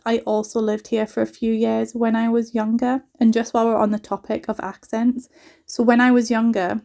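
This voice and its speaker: A woman from northeast England with a soft mixed Geordie and Scottish accent, chatting casually through a home vlog voiceover with lots of "like" asides. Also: medium pitch, vocal fry. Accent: soft mix of Geordie and Scottish. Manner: chatty, rambling, frequent "like" asides. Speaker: home vlogger and mother.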